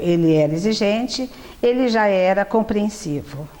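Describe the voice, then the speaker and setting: Speaking at a fairly slow pace, a woman has a dark, mellow tone, medium pitch and ordinary pitch variation. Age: 60s. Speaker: parish secretary. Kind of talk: interview. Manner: halting.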